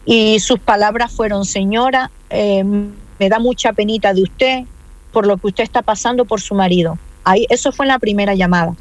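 A woman's voice: mid-range voice, dry recording, rough recording. A woman in an interview telling her own story, earnest and insistent, repeating key points. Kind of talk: emotional personal account.

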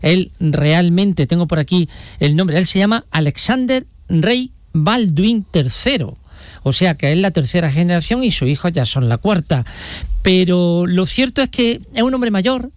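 Man, fairly high pitch, dry, joking, rambling live report. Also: big pitch swings, measured pace, no echo. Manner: joking, rambling with fillers and restarts. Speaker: regional correspondent.

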